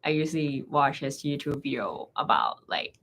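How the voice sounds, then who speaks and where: A young woman with a Thai accent, a native Thai speaker, chatting casually in halting non-native English. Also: extremely low pitch, very animated, a bit bright. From Thailand. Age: young adult. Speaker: guest, medical trainee. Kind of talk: casual chat.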